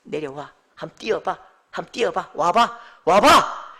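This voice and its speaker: Jesus as a down-to-earth grown man, put on by a preacher. He calls out in a lively, shifting voice, sometimes loud, sometimes low and coaxing. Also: slow, heavily acted. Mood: gentle coaxing. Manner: firm calling out, then soft coaxing. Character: scolding then gently inviting male Jesus.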